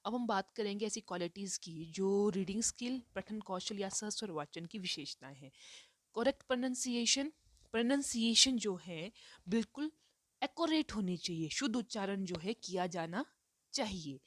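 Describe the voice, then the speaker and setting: A woman teacher gives a lecture, working through each point step by step and stopping to ask rhetorical questions. Her voice sits at an ordinary middle pitch. The recording is close and dry, with no room sound. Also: expressive, normal speed, no echo. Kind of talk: Hindi lecture mixed with English terms.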